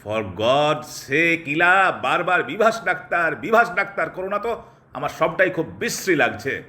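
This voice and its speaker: A man playing a bored, disdainful, urbane gentleman in an audio drama, with a pompous drawl. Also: fairly high pitch, sing-song, unhurried, heavily acted. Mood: irritated. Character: bored, irritated, urbane man mixing in English.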